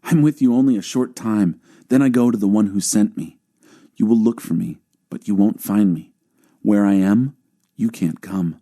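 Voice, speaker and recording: A man plays a bold religious teacher in a scripture audiobook. The voice is dark and mellow, with emphatic, challenging and insistent declarations. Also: on the low side, normal speed, lightly acted. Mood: proclaiming. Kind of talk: audiobook dramatized scripture reading.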